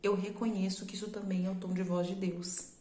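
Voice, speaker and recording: A woman's voice: medium pitch, level tone, a little fast, warm tone, reverberant. A woman with a Brazilian Portuguese accent, preaching a sermon in a conversational, explaining way that uses rhetorical questions. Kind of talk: sermon teaching.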